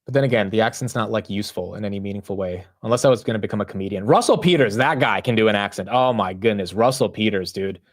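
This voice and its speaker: A man's voice: on the low side, no echo, clean studio sound. American guy on a live market stream, slangy and loose, just chatting with chat. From United States. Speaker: livestream host. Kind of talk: casual market livestream chat.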